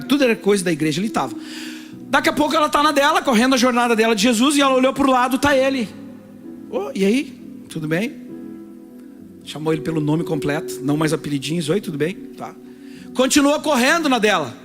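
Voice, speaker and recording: A man, preaching a sermon as pastor and telling a story, moving between loud emphatic passages and hushed intimate ones. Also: high-pitched. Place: church service on a theater stage.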